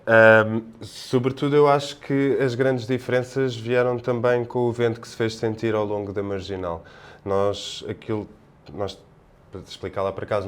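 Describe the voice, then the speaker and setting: A man with a European Portuguese accent giving casual sports analysis as a podcast panelist, in a halting, discursive manner. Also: fairly low pitch, clear, resonant tone.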